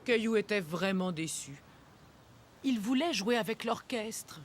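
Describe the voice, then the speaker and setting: A woman playing a gentle storybook narrator, telling a children's cartoon story in scripted narration. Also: medium pitch, animated, a little slow, slight background noise, close to an everyday voice. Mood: sympathetic.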